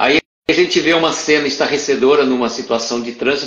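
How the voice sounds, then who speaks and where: The speech comes at a fairly quick pace in a quiet background, with audible room echo. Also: man. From Brazil. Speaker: spiritist livestream host and lecturer; spiritist livestream host, lecturer. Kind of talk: casual chat. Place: home room. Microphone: earbuds.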